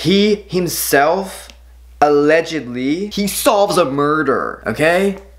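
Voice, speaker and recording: Faint music plays in the background as a man speaks at a very slow pace. His voice is high in pitch, with lively intonation. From Canada. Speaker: booktuber; book vlogger. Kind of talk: casual vlog monologue. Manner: animated, frequent laughter. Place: home room.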